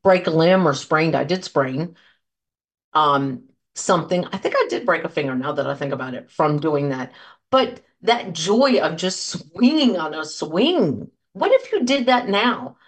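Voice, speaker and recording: Woman, 50s, solo podcast host, encouraging coach voice, chatty asides, slightly low pitch. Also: expressive, a little slow. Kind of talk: casual solo podcast talk.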